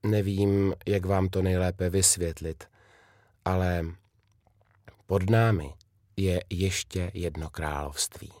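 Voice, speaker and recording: A man's voice: sits low, fairly even intonation, pauses often, a little mellow, dry recording, studio quality, natural voice. A man reading a children's storybook, voicing a kind, firm young female governess who explains things emphatically. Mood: explaining.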